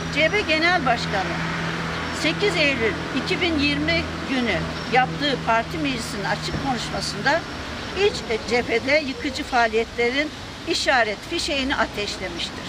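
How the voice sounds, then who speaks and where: Loud background noise sits under a man speaking at a fairly slow pace. The sound is dry with no echo, and he leaves long, frequent pauses. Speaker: provincial party chairman. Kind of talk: press statement reading. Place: garden.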